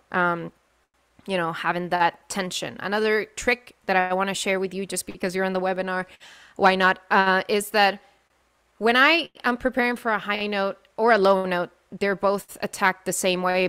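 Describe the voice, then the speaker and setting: A woman's voice: mid-range voice, a bit bright, clear, resonant tone, dry recording. A young woman, a singing teacher, hosting a live webinar over a video call in a casual, chatty way with many fillers and restarts. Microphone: webcam mic on video call.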